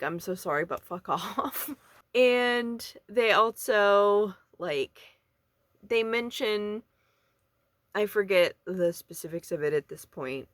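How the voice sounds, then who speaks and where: A woman's voice: fairly low pitch, a bit bright, no room sound. Casual, rambling young woman, dry sound. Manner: informal, rambling, blunt with casual swearing. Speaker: book reviewer video creator. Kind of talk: casual book commentary to camera.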